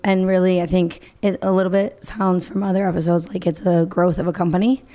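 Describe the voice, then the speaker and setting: A woman's voice: fairly low pitch, little pitch movement, brisk, dark tone. A woman hosting a podcast interview, conversational as she asks thoughtful questions. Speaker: podcast host.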